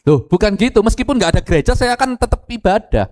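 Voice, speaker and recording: A middle-aged man with an East Javanese accent preaching an animated sermon, speaking straight to the congregation. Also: sits high, quick pace. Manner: animated, addresses congregation directly, mixes Javanese phrases. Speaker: pastor. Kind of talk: lively sermon with acted quotes.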